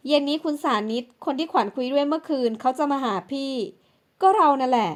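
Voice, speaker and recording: In an audiobook drama, a woman plays a scheming, spoiled older sister. Her high voice coaxes yet bosses, constantly shifting blame onto others, and her delivery is fairly quick and lightly acted, pushy and blaming in mood.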